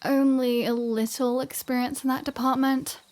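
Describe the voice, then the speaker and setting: A woman's voice: high voice, level tone, moderate pace, a little mellow, lightly acted. Sardonic flirty vampire woman, acted by a woman. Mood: wry, breezy. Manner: sarcastic, foul-mouthed, breezy banter. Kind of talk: scripted ASMR roleplay audio drama.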